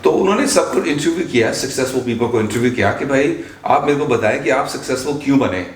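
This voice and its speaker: A man's voice: medium pitch, lively intonation, fast, echoey room. A man in his fifties talking as a guest trainer, telling stories in a casual chat and switching between Hindi and English with frequent restarts. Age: 50s.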